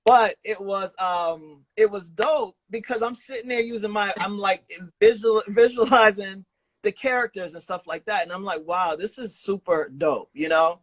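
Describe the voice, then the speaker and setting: A man's voice: sits high, steady tone, normal speed, no room sound. A man hosting a podcast interview in a casual, slangy, informal way. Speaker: podcast host interviewing a guest. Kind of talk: casual chat.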